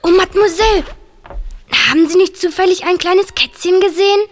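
A woman's voice: very high voice, steady tone, brisk, slight background noise. An actress voicing a cheeky, playful schoolgirl in a children's radio play, coaxing and sweetly pleading. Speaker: Hilda, boarding-school girl.

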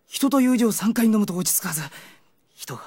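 Husky, earnest teenage schoolboy. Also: female voice, medium pitch, expressive, normal speed, a little mellow, dry recording. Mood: nervous. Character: earnest, nervous teenage schoolboy in a drama club. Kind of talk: Japanese anime-style audio drama acting.

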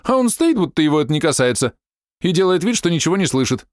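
A man voicing a quarrelsome woman in her forties, shrill and indignant as she nags and complains. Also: sing-song, fast talker, dry recording, studio quality. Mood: aggrieved ranting.

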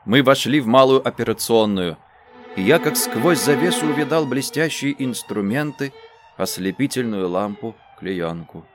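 A man reading a first-person story aloud in a subdued, low-key manner. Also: expressive, moderate pace. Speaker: narrator. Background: faint music.

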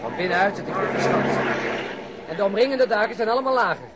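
A man's voice: high-pitched, animated, fast talker, very noisy. An actor playing an outspoken, sarcastic policeman in a radio drama, talking in a colloquial way. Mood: grim, blunt. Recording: loud outdoor crowd and vehicle effects.

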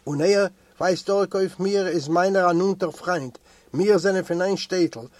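A young convict orderly speaks plainly and earnestly, as a male reader voices him. His voice is a touch high for a man. The sound is close and dry. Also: a little slow, darkish tone, no echo.

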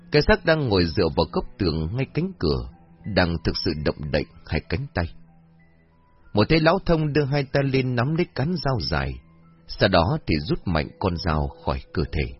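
Low husky guy reading a scary story, voice swings up and down, dull lo-fi audio. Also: moderate pace. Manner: dramatic, expressive. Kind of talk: scripted horror narration. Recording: dull lo-fi audio, faint music.

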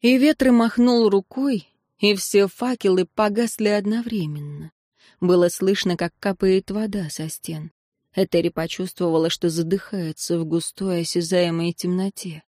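Slow, measured woman narrating a fantasy audiobook. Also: mid-range voice, fairly even intonation, darkish tone, dry recording, studio quality.

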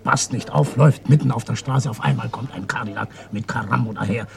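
A man's voice: mid-range voice, brisk, creaky, a crowd in the background. A man telling jokes in a casual round, acting out the characters' lines. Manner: chatty, acts out voices. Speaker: joke teller.

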